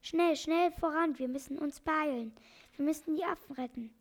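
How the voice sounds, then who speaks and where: Woman reading as a hurried kindly doctor. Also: high-pitched. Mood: urgent. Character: kindly, urgent animal doctor. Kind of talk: children's storybook reading.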